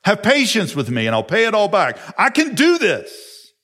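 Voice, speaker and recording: A man's voice: sits high, wildly swooping pitch, moderate pace, a bit bright, voice pushed up, full character voice. A man voicing a desperate male servant who begs for more time, played with mocking exaggeration. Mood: pleading.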